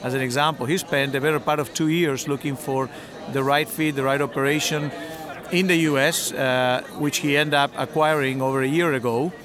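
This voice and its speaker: A middle-aged man from Argentina who represents an industry association, answering interview questions at a measured pace with frequent fillers and restarts. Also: medium pitch, steady tone. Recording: crowd noise behind.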